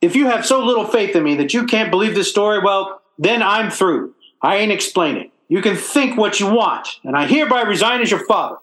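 A man's voice: sits high, animated, fairly quick, few pauses, a bit bright, reverberant, poor audio. An actor playing a blustering, self-pitying working-class father in old-time radio comedy style, with stammering, folksy, ungrammatical speech. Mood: indignant.

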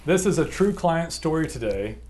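A man's voice: fairly high pitch, big pitch swings, moderate pace, darkish tone. Rambling self-mocking man in his forties. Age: 40s. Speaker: podcast co-host. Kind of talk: casual business podcast chat.

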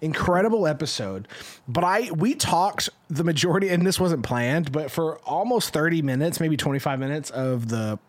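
A man co-hosting a podcast in casual discussion, talking in an animated, argumentative way and often tagging points with questions. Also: on the high side, moderate pace. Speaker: podcast co-host.

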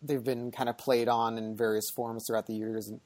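A man's voice: medium pitch, flat delivery, a little mellow, no echo. A man hosting a podcast who talks casually about a film and passes the talk to his guests. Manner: quick, easygoing, leads the talk and hands over to guests. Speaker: podcast host.

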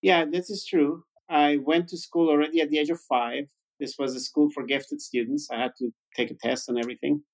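A man's voice: fairly high pitch, fairly even intonation, fairly quick, hardly any pauses, low-quality recording. A man in his fifties from Iran, a native Farsi speaker, telling his story conversationally as an interview guest. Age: 50s. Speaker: interview guest, tech founder.

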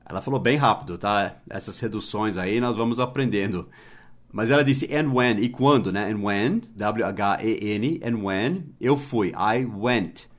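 A man hosting a casual podcast lesson, patiently explaining and spelling words out letter by letter. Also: on the low side. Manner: slows down to model English phrases, adds tag questions. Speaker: English teacher and podcast host.

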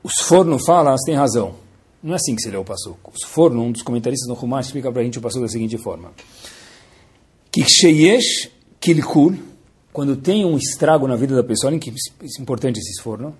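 A man's voice: mid-range voice, darkish tone, breathy edge. A man, a rabbi giving a playful, dramatizing Torah lesson to students and sprinkling in Hebrew terms.

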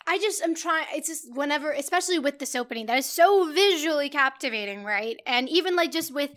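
A woman with a high, bright voice talks through a film in loose, opinionated podcast chat. She gets animated, trails off mid-thought and restarts often. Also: brisk. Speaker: podcast co-host. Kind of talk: casual film discussion.

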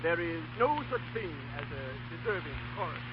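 A man playing a stuffy middle-aged uncle dictating haltingly and pompously in a 1930s radio comedy. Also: fairly high pitch, lively intonation, natural voice. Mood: stuffy, disapproving. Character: stuffy, disapproving rich uncle dictating telegrams. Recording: tinny, noisy 1930s radio recording.

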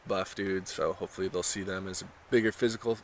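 A young man talking in a relaxed surfer way, full of "you know" and "like", in a casual interview. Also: low-pitched, quick pace, a little hiss or hum. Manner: laid-back surfer talk, lots of "you know" and "like". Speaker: contestant being interviewed.

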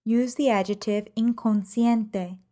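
A woman teaching a language lesson podcast, reading example sentences in measured, carefully enunciated phrases. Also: a little high, steady tone, warm tone. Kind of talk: slow, clear podcast lesson.

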